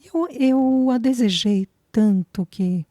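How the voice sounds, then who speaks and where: A woman reading the lines of a tender young man in love, in a soft, earnest, reassuring way. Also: fairly high pitch, slow pace, no echo, studio quality, voice pushed up. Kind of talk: audiobook dialogue reading.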